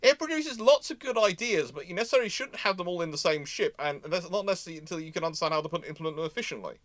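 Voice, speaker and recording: A man with a fairly high, very animated voice hosts an informal history discussion. He explains his opinions at rambling length. The sound is dry, with very little room in it. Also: rapid-fire, dry recording. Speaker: host of a live question and answer show. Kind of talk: casual naval history discussion.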